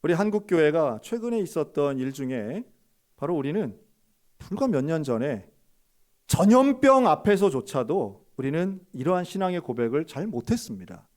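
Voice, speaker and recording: A man's voice: fairly high pitch, sing-song, normal speed. A middle-aged man preaching a sermon as a pastor, telling a story and acting out the quoted questions and answers, often putting direct questions to his congregation. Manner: storytelling, acts out quoted dialogue with sharp rises.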